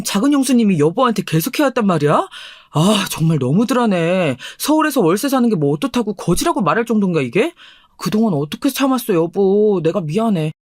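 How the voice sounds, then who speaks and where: A humble, sweet-natured young husband , acted out by a performer, speaks eagerly and earnestly in a storybook radio drama. The voice sits at a middle pitch and is recorded close and dry. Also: no echo.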